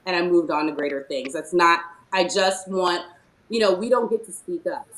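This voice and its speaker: A woman's voice: on the low side, normal speed, a bit bright, echoey room, poor audio. A woman chef speaking earnestly and emphatically on a panel about her experience at work. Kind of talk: panel discussion, personal story.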